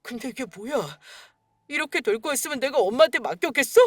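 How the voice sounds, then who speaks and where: A grown son, betrayed and furious, hurls accusations at his mother in a story radio drama, played by a woman. The voice is high and swings widely, and it is recorded dry and close. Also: animated, fairly quick, dry recording. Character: angry grown son, young man, betrayed.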